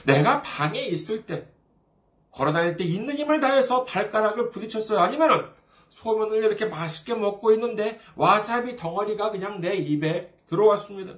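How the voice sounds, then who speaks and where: A man's voice: high-pitched, lively intonation, fairly quick, fairly bright tone, roomy sound. A man preaching a sermon as a pastor, in a conversational, humorous way, often asking the listeners questions.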